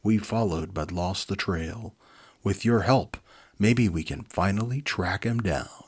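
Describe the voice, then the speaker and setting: A man's voice: sits low, a little slow, breathy edge. A man voicing a grave, formal rock giant warrior in a children's storybook reading. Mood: grave, earnest. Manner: solemn, formal.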